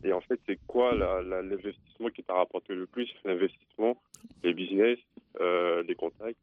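A man's voice: sits low, normal speed, no room sound. A man in his twenties calling in over the phone, asking his question hesitantly with many fillers. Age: 20s. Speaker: caller. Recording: tinny, dry phone line.

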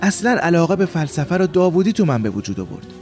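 A man's voice: fairly high pitch, big pitch swings, faint music behind, voice pushed up. A man voicing an elderly retired philosophy teacher. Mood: reminiscing. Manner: recalling earnestly, quiet tone.

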